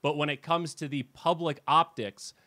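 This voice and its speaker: A man hosting a podcast in casual chat, telling animated stories with swearing and restarts. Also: a little high, moderate pace, no echo. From United States. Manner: animated storyteller who swears and restarts sentences. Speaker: podcast host and esports commentator.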